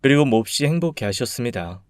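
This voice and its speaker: A man narrating a read-aloud personal story in a calm, measured, soft-spoken way. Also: medium pitch, dry recording, clean studio sound.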